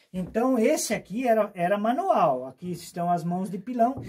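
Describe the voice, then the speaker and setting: Speaking at a moderate pace, a man uses a high pitch with very wide swings. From southwestern Paraná, Brazil. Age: 50s. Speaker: retired firefighter and smallholder; rural host showing old farm tools. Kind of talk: casual interview and show-and-tell tour. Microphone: camera far.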